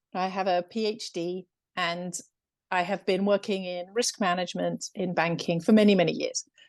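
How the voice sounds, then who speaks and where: A woman with an American accent at medium pitch, her intonation fairly even, the sound dry and close with no echo. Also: quiet background. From England. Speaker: camp founder, former banker and lawyer. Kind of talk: interview.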